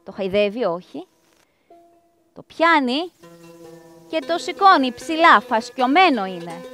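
A woman's voice: high voice, very animated, sharp tone. A woman performing a myth as a live storyteller, dramatic and speaking straight to her audience. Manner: dramatic, addresses the audience directly. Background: live plucked string music.

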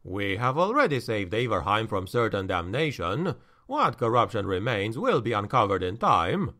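Narrator guy doing a stern counselor, deep n steady, measured. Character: stern, calm male counselor, cool and measured.

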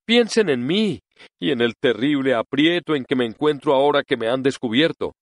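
A man's voice: medium pitch, animated, normal speed, no room sound, pitched above the performer's own voice, close to an everyday voice. Guy doing a shaky little old fake wizard, begging and humble, storybook voice, lots of ups and downs. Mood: humble explaining. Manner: trembling, pleading voice. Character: timid old bald male humbug wizard.

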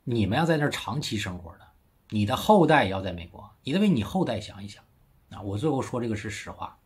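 A man from China delivers a casual political commentary into his phone, emphatic and mocking. His husky voice swings widely up and down as he leans on rhetorical tag questions. It sounds like a solo vlog recorded indoors. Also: fairly low pitch, sing-song, fast, a little mellow.

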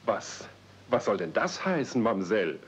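An actor playing a dignified, good-natured manservant in a 1970s radio play, speaking formally with slight bemusement. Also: male voice, lowish voice, sing-song, measured pace. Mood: puzzled, taken aback. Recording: dull, faintly noisy old cassette recording.

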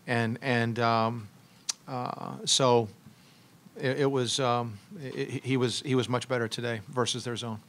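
After a game, a middle-aged man who coaches a college basketball team answers reporters at a postgame press conference. Seated at a table in a press room with a logo backdrop, he speaks into a table mic on a stand in a mid-range, level, slightly bright voice, thinking aloud with halting pauses, restarts and ums.

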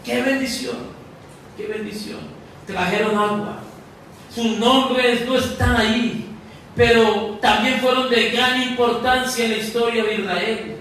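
A man's voice: extremely high pitch, fairly even intonation, measured pace, a bit bright, slight background noise. A young man preaching a sermon as pastor, building to emphatic, half-sung lines. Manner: preaching with swelling emphasis, sometimes half-singing. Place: church hall with flags and balloons. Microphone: far camera at the back of the room. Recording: echoey hall heard from far off, piano behind.

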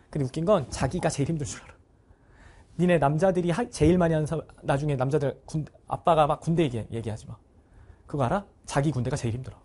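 A man's voice: on the high side, a little mellow, slightly rough. A male cram school teacher giving a blunt, casual motivational talk to his students. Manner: acts out students' voices in short bursts.

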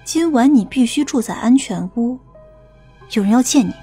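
A woman's voice: a little high, animated, moderate pace, mellow, breathy edge, soft background music. A woman playing a stern, impatient police detective in an audiobook drama. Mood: cautioning.

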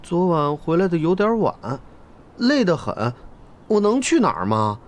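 A man's voice: fairly high pitch, huge pitch swings, a little slow. A young actor playing a spoiled, stubborn young nobleman in a period TV drama. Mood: petulant. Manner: petulant, defiant.

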